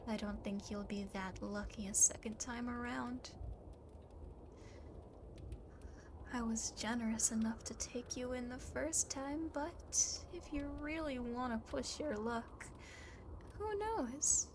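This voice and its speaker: A woman's voice: a little high, a little slow, background noise, lightly acted. A woman voicing a lonely, possessive demon girl in an ASMR roleplay, often dropping into a whisper, coaxing and condescending as she speaks to the listener. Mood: taunting, menacing. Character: lonely possessive demon girl, coolly teasing, faintly menacing.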